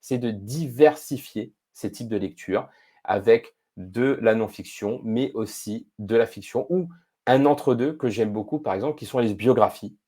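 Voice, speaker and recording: A man being interviewed as a guest on a podcast, explaining his expertise in a thoughtful, measured way with frequent hesitations. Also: mid-range voice, mellow, husky.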